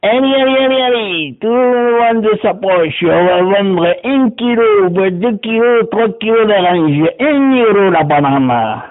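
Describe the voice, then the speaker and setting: A loud market vendor calling out to draw people in, as a man puts him on. The pitch is raised, and everything sounds thin and phone-like. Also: animated, slow pace, long pauses. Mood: hawking. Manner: hawking, calling out.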